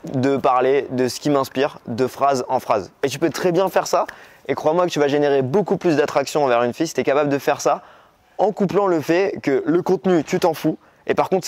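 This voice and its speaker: A young man from Morocco giving a dating-coach video lesson, talking casually and expressively, speeding over filler words and slowing down to stress key points. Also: fairly high pitch. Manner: lively, expressive, speeds up and slows down for emphasis.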